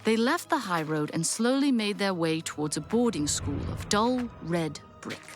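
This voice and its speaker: A woman playing the storyteller, giving expressive, literary narration in a scripted audio drama. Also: mid-range voice, normal speed, soft background music, natural voice. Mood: storytelling. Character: storyteller narrating a classic Christmas tale.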